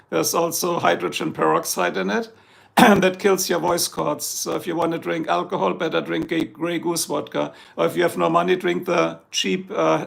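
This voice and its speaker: Brief: middle-aged German-accented streamer, hoarse, deeply gravelly, joking and rambling. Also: male voice, a bit bright. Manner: joking, chatty, reads out viewer comments. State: hoarse, losing his voice. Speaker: livestream host. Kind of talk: rambling casual chat with viewers.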